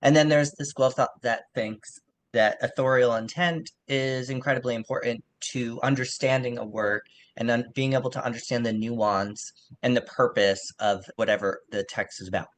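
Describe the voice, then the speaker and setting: A man's voice: medium pitch, fairly even intonation, moderate pace. A man speaking as a podcast guest in a conversational literary discussion, thoughtful and explanatory, qualifying his points as he goes.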